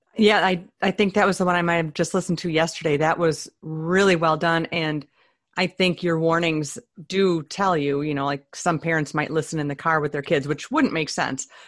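A woman with a normal speaking voice and a fairly low pitch talks at a moderate pace. Her intonation is fairly even, and the background is quiet. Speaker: podcast host. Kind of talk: casual interview chat.

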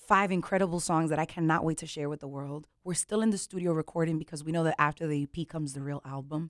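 Very deep, low female voice at a fairly quick pace with fairly even intonation, in a very clean recording with a silent background and a dry, close sound with no echo. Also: hardly any pauses. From New Jersey, Puerto Rican family. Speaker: singer and dancer. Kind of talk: interview. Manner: code-switching Spanish and English.

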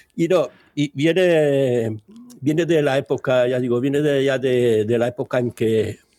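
Dark, mellow tone from a man at medium pitch, fairly slow pace, very even loudness and ordinary pitch variation, with a dry, close sound and no echo. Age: old. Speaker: retired Linux and audio enthusiast, YouTuber. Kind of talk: casual interview chat.

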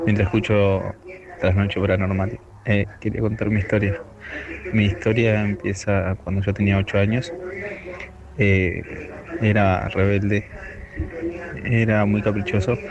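Speaking at a fairly slow pace with long, frequent pauses, a man with a fairly low pitch keeps his loudness very even over noticeable background noise. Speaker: listener. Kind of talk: testimony. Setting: voice message.

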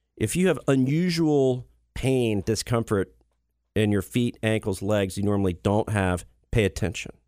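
A man with a fairly low pitch and a dark, mellow tone speaks at a moderate pace with lively intonation and very even loudness. The recording is very clean, with a silent background and a dry, close sound with no echo. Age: 50s. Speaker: radio host, criminal defense attorney. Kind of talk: casual talk radio chat.

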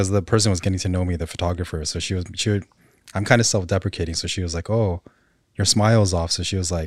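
A very fast man's voice, very deep and low in pitch, in a New York accent, on a very clean recording with a silent background. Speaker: co-host, relationship expert. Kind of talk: casual podcast conversation.

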